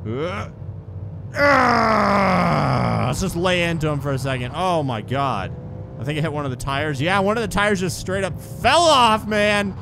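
A young man talks through his gameplay in a casual, excitable way, his voice sitting a little high and swinging widely in pitch. He laughs easily and breaks into shouts when the action heats up, and he has the hiccups. A faint hiss of noise sits under the recording. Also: moderate pace. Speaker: gaming YouTuber.

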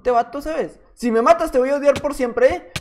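A man's voice: extremely high pitch, a little fast, slight background noise. A man with a Mexican accent giving playful, teasing gameplay commentary as a gaming YouTuber. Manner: playful, teasing, jokey banter.

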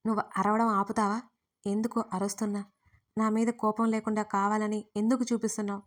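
A woman's voice: medium pitch, little pitch movement, brisk, lightly acted. A woman narrator voicing a young man, an insistent and pleading lover, in an audio story. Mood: frustrated.

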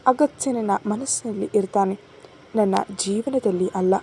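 A woman's voice: medium pitch, moderate pace, darkish tone, slight background noise. A woman telling a romance story in the first person, earnest and emotional.

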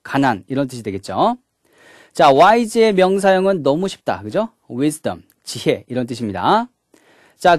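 A man's voice: fairly high pitch, darkish tone, dry recording, clean studio sound. A man giving a recorded English grammar lecture, walking through each point step by step and opening each one with a short "자". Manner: mixes English words into the explanation.

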